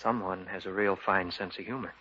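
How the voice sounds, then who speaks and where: A brooding radio-drama narrator. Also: male voice, deep voice, fairly even intonation, fairly quick, pushed and bright, slight background noise. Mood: casual. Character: Emery, a young man narrating his eerie tale. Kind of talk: 1940s radio acting. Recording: dull old radio broadcast with music.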